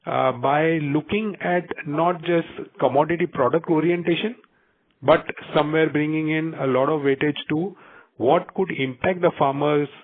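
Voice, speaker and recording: A man with an Indian accent giving company management remarks on an earnings call, speaking in measured, halting phrases with frequent pauses. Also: on the high side, fairly even intonation, slight background noise. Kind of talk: earnings call presentation, semi-prepared business remarks. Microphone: telephone conference call. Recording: tinny, narrow-band conference phone line.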